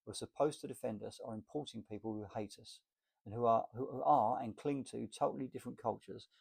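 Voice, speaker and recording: A man's voice: mid-range voice, a little fast, vocal fry, darkish tone, slightly rough. A man reading a political essay aloud in an emphatic, list-like delivery. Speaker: reader.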